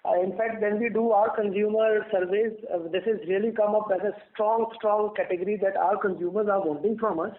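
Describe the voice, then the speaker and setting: High-pitched Indian executive on a phone line. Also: male voice, fairly even intonation, brisk, few pauses. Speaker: company executive. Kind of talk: answering questions on an earnings call. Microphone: telephone line. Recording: narrow, tinny phone line.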